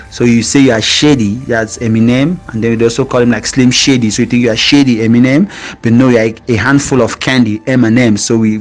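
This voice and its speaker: A man giving casual, excited commentary on a rap diss track, explaining line by line with lots of fillers and restarts. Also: medium pitch. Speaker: music reviewer.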